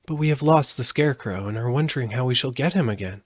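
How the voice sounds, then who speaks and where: Man voicing an eager, high-pitched little girl. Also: fast talker, no echo, studio quality, lightly acted. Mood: earnest, concerned. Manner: eager, polite. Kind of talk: storybook character voice in audiobook.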